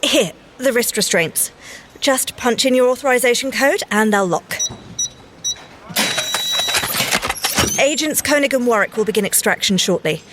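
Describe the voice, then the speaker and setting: An actress playing a prim young English scientist agent in an audio drama, polite, precise and gently wry. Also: female voice, a little high, lively intonation, moderate pace, very noisy, close to an everyday voice. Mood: businesslike.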